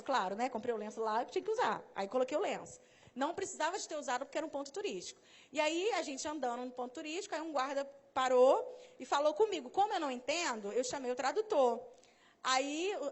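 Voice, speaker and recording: A Brazilian woman with a Rio de Janeiro accent giving a lively talk to a church audience, acting out dialogue as she tells stories. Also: high-pitched. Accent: Carioca Portuguese. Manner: animated storyteller, acts out dialogue, laughs often. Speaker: speaker at a mission course.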